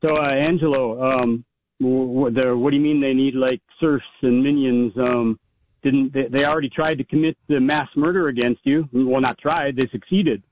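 A man's voice: mid-range voice, fairly even intonation, moderate pace, highs cut off, a little hiss or hum. A man calling in to a talk show, arguing casually and insultingly, repeating himself and talking over others. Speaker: caller to a talk radio show. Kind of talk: casual argumentative banter.

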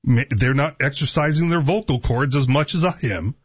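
A man co-hosting a casual talk show, sarcastic and teasing, with a raspy, parched voice. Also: medium pitch, normal speed, no room sound. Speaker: co-host. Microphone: studio microphone. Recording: dull lo-fi sound.

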